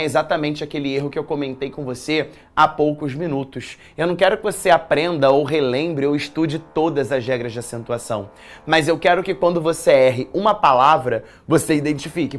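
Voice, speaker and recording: Man, Brazilian accent, writing teacher, live online class, slangy, chatty, quizzes viewers. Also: on the high side. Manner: lively, chatty, quizzes the audience with slangy asides. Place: studio in a commercial building.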